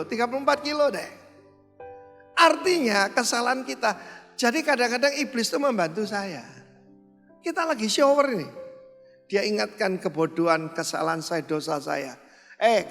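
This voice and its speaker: A man preaching a sermon as pastor, animated and bursting into loud exclamations. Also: high-pitched. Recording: long reverb of a large hall, faint music.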